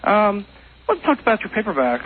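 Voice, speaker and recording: Higher-voiced man on a tinny phone line. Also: huge pitch swings, normal speed. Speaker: radio caller. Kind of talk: casual chat. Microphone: telephone.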